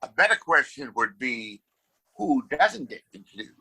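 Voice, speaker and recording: A man plays a rich, domineering town boss in a Western radio play. His bright voice swings widely in pitch as he hands out orders with condescension and open scorn. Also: sing-song, measured pace, husky, heavily acted, rough recording. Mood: haughty. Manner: condescending, commanding. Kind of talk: Western audio play acting.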